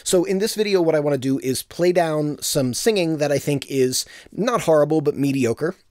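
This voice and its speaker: A man with a bit of gravel in his voice, teaching vocal production in a casual, self-deprecating tutorial on a studio microphone. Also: a little high, normal speed, no echo. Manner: relaxed, self-deprecating explainer.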